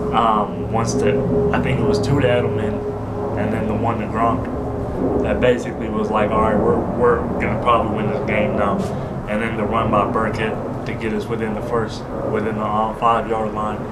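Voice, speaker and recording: Loud background noise behind a man's voice at a moderate pace. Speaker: sports YouTuber. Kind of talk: casual vlog commentary. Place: home room. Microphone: camera far.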